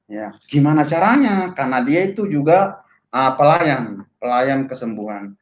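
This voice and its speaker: A man telling a personal testimony in an animated way, acting out the voices of people in his story. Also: medium pitch, normal speed. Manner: animated, acts out quoted voices. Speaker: testimony speaker. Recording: echoey, dull lo-fi room sound.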